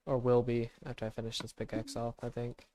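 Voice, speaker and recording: A man with a quiet, low-effort voice, chatting casually and haltingly as he live-streams a game. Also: monotone, slight background noise. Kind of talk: casual live-stream chat while gaming. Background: background music.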